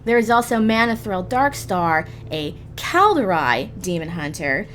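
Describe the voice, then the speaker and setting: A woman's voice: mid-range voice, a little hiss or hum. A woman hosting a gaming guide, narrating scripted explanations emphatically and speaking directly to the listener. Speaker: host of a gaming roleplay guide.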